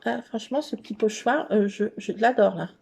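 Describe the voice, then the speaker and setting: A woman who hosts a scrapbooking channel chats casually at her craft table, gushing in a bubbly way and talking to herself as she goes. Her voice is medium in pitch and darkish, with vocal fry and a slightly fast pace. There's a bit of background noise.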